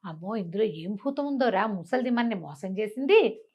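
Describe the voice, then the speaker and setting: Woman acting rustic village fellow, gullible, excitable, exclamatory, repeated phrases, folk-tale storytelling. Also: mid-range voice, moderate pace, husky, lo-fi sound. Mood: uneasy. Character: gullible, excitable village cattle thieves, men.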